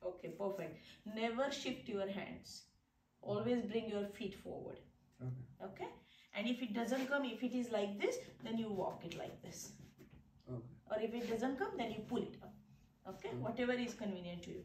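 Over light background noise and audible room echo, a woman speaks at a moderate pace with long, frequent pauses. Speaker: yoga instructor. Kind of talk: tutorial. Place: home room. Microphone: camera far.

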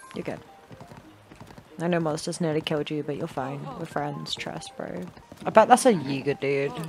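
A woman speaks at a very deep, low pitch with lively intonation and a moderate pace. Long, frequent pauses break her speech while music plays in the background. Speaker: gaming YouTuber. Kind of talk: casual gameplay commentary. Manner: relaxed, laid-back.

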